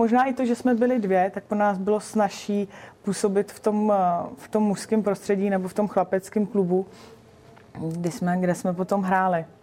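A woman speaks at medium pitch and a moderate pace, in a dark, mellow tone. Her loudness swings widely. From Czech Republic, Přerov nad Labem (Central Bohemia). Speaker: footballer. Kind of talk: interview. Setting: studio.

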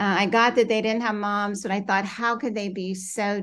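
A woman with an American accent talks in a plain, everyday voice at a fairly quick pace and medium pitch, her intonation fairly even against a quiet background. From Washington, D.C. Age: 60s. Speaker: childhood trauma expert. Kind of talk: interview.

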